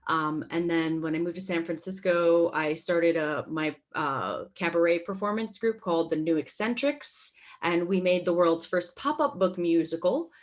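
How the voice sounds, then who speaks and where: A woman's voice: fairly low pitch, normal speed, hardly any pauses. A woman performer speaking casually and informally in an interview, with a wry touch. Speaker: theater performer and costumer.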